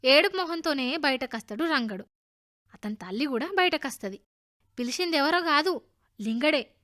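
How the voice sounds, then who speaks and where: A woman with a Telangana accent narrating a children's story on radio in a lively, homely dialect. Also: sits high, moderate pace, no echo, studio quality. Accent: Telangana Telugu.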